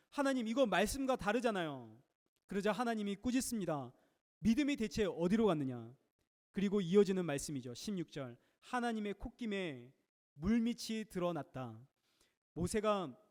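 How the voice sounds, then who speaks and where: A man preaching a sermon from the pulpit, his voice pitched notably high for a man. He talks earnestly and breaks into dramatic readings of the people he quotes. The church sanctuary gives every phrase a long, ringing reverb. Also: darkish tone. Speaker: pastor.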